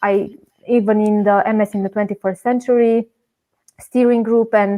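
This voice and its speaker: A woman's fairly high, dark, mellow voice in a Romanian accent, flat and monotone at a moderate pace, dry and close with no echo. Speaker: patient advocate. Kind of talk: interview. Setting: video call. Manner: hesitant, many fillers.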